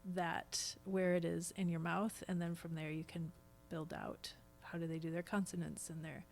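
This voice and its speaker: A woman's voice: lowish voice, little pitch movement, moderate pace, darkish tone, soft background music. Chatty woman, a podcast guest. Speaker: guest, stage actress. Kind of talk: casual podcast interview chat.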